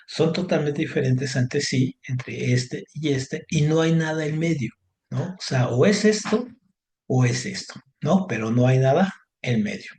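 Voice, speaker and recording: A man's voice: mid-range voice, measured pace, a little mellow. A man teaches a lesson in an explanatory way. He keeps checking in with his listeners, with many short questions and fillers. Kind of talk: online class lesson.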